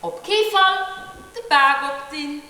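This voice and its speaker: A woman's voice: high-pitched, measured pace. A woman with a Luxembourgish accent, acting a smug fixer of deals for politicians in a live cabaret sketch. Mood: sly. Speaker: cabaret actor. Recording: echoey tent stage recording with hiss.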